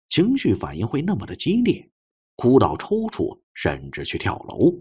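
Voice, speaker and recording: A male audiobook narrator with a husky, low voice reads fiction in a dramatic style. His pitch swings widely as he tells the story in measured, expressive phrases. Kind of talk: dramatic scripted novel narration.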